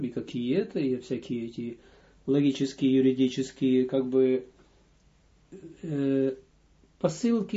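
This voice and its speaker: A man's voice: medium pitch, mellow. A man, a rabbi, giving a spoken lesson, reading short lines aloud and then explaining them step by step. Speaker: rabbi teaching a text. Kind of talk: slow spoken Torah lesson. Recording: dull lo-fi audio lesson recording.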